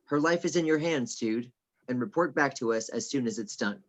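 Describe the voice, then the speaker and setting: A man playing an earnest, anxious, officious personal assistant in a script table read, speaking formally and gravely. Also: medium pitch, expressive, normal speed, close to an everyday voice. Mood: grave, pleading.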